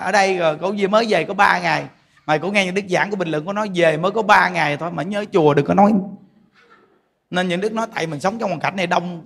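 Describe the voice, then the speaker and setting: Pitched high with a fairly bright tone, this man is a Buddhist monk teaching a folksy Dharma talk to a temple congregation. He nudges his listeners with questions. The large hall gives a long reverb, and faint noise lingers underneath.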